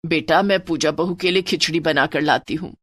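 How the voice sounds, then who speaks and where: A woman's voice: low-pitched, moderate pace, a bit bright, no room sound, clean studio sound, voice pushed down. A woman voicing a scolding mother-in-law. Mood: worried. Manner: scolding, nagging. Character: stern scolding middle-aged mother-in-law.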